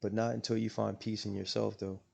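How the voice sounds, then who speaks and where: Man, low gravelly voice, reaction host, slangy and philosophical. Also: level tone, fairly quick, darkish tone. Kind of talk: casual reaction commentary.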